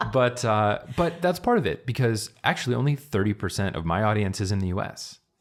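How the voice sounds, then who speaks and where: A man with a plain, everyday voice talks at a fairly quick pace with hardly any pauses, lively intonation and fairly low pitch. The recording is very clean, with a silent background. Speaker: podcast host and video creator. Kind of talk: casual interview chat.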